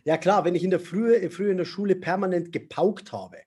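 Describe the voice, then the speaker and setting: A man being interviewed on a podcast as a memory trainer, animated and enthusiastic, laughing often. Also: sits high, a little fast, breathy edge.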